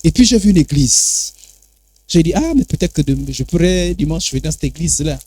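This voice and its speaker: A man's voice: fairly high pitch, animated, fairly quick, mellow, no room sound. A man preaching a sermon as an apostle, with emphatic repetition and call-and-response phrasing.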